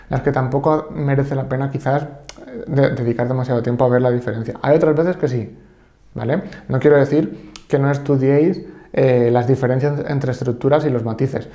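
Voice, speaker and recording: A man with a Spanish-from-Spain accent who teaches Japanese in an online lesson and explains patiently, reading example sentences slowly and checking in often. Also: mid-range voice, warm tone, roomy sound.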